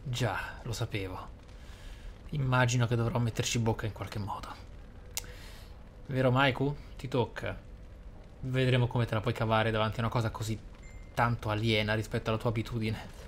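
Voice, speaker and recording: A man hosts a roleplay let's play in a medium-pitched voice. He is reflective and emphatic, with faint noise and game ambience behind his microphone. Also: level tone, normal speed, long pauses. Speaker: gaming video host.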